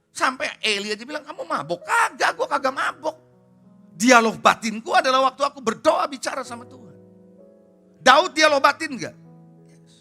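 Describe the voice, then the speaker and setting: A man's voice: very high voice, bright, forceful tone. A man pastor preaching a sermon at a church service, emphatic and repeatedly putting rhetorical questions to the congregation.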